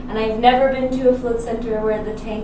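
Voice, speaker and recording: A woman is heard with audible echo from the room. Noticeable background noise runs underneath. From Canada. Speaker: spa customer. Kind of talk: customer testimonial. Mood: warm, cheerful. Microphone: camera far.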